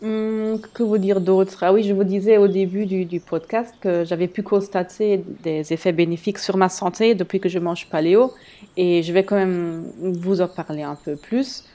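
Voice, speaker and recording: A woman in her late thirties with a German accent, a native German speaker, hosting a casual solo podcast and explaining in a slightly halting way. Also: medium pitch, fairly even intonation, warm tone. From German-speaking area, living in eastern Belgium near the German border. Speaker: podcast host and blogger.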